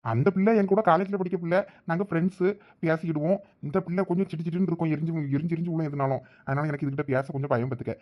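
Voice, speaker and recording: A man talks quickly in a Thoothukudi Tamil accent, pleading and joking through a village comedy sketch. The recording is dull and lo-fi. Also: on the high side, steady tone. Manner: fast, pleading and joking banter. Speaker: comedy skit actor.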